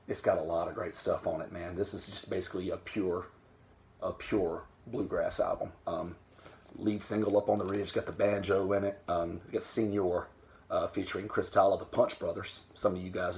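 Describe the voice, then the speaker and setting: A man with a low-pitched, slightly mellow voice rambles to camera about his record collection. Sitting in his home den, the vinyl vlogger keeps it casual and candid, swearing as he pleases.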